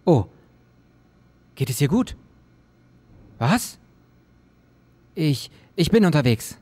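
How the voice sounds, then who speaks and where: A man's voice: a little high, sing-song, slow, mellow, exaggerated voice. A man playing an anxious, haunted academic doctor in an audio drama. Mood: anxious, distraught.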